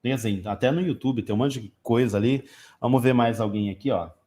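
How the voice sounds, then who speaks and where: A man's voice: medium pitch, fairly quick, warm tone. A man with a Brazilian Portuguese accent, an English teacher answering viewer questions in a casual live stream, explaining patiently with everyday examples.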